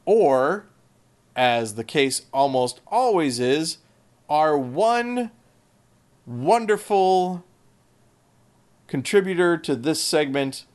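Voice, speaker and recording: A man's voice: on the high side, animated, extremely slow, long pauses, darkish tone. A man co-hosting a podcast, chatting casually with dry sarcasm and rambling asides. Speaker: podcast co-host. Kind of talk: casual chat.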